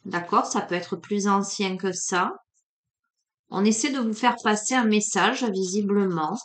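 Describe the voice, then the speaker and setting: A woman with a soft southern French accent gives a relaxed oracle card reading, talking slowly and without hurry. She hesitates often and fills gaps with small sounds. Her voice has a sleepy, drowsy ease and sits at an average pitch. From Marseille, France. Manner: hesitant, many fillers, drowsy and unhurried. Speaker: card reader.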